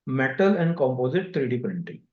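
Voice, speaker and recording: A man with an Indian accent answering investors as a company executive on a conference call, speaking haltingly with pauses mid-sentence. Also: mid-range voice, big pitch swings. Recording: dull, echoey conference call audio.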